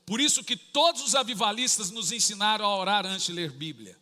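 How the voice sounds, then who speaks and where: A middle-aged man, preaching a sermon full of personal stories, acting out family dialogue and breaking into sudden shouts. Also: sits high, fairly quick, in a large hall. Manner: animated, acts out family dialogue, bursts into shouts. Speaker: pastor.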